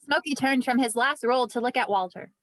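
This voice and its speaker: A woman's voice: high-pitched, fairly quick, a bit bright, poor audio. A woman narrating the stage directions of a script at a table read.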